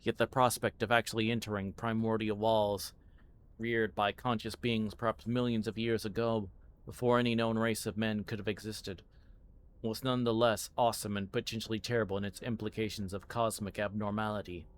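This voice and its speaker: Man, lowish voice, live story narration, slightly halting delivery. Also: level tone, slight background noise. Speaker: streamer reading aloud. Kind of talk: live audiobook-style story reading.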